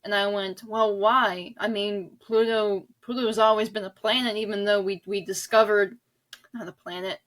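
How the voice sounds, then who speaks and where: A woman's voice: medium pitch, fairly even intonation, moderate pace, fairly bright tone. A woman guest in a conversational podcast interview, talking in an earnest, emphatic, rambling way. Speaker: interview guest, author and audio drama director.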